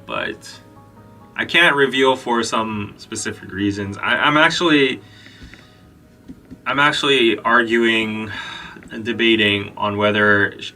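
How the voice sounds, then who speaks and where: Young man, from Korea, podcast host, casual, lots of fillers, bright tone, faint background music. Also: on the low side, distant mic. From South Korea. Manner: relaxed, chatty, many fillers and restarts. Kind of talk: casual live-stream chat and news reading.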